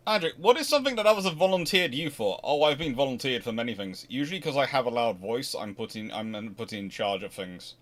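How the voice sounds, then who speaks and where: A man's voice: mid-range voice, fairly quick, few pauses. A man hosting a casual question-and-answer stream, talking in a rambling way, often restarting his sentences. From Scotland. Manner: rambling, self-correcting, animated asides. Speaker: host answering viewer questions. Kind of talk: casual livestream Q&A.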